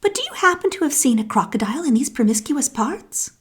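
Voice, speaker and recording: A woman's voice: high-pitched, sing-song, brisk, voice pushed up. A woman voicing a polite, naive and insatiably curious young elephant child in a children's story, earnest and breathless.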